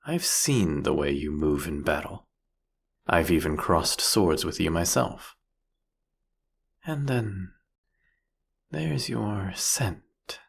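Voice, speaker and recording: A deep, husky vampire king, acted by a man, speaks with slow, gravelly menace. He is sardonic and theatrical, drawing out his teasing taunts as if savoring them in a fantasy audio roleplay. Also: very animated, slight background noise, exaggerated voice. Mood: knowing, menacing. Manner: theatrical, mocking, drawn-out, teasing phrasing. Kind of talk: scripted audio roleplay monologue addressed to the listener.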